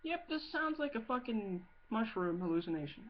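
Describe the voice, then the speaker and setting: A woman's voice: fairly high pitch, big pitch swings, moderate pace. A woman giving a casual, comedic video-blog monologue in a blunt, sweary, sarcastic way. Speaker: amateur video blogger. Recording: muffled audio with clear background noise.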